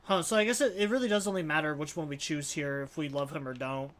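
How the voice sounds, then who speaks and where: A man's voice: on the high side, fast, a bit bright. A man streaming a game, reading text aloud and commenting casually, recorded with background noise. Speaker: let's play streamer.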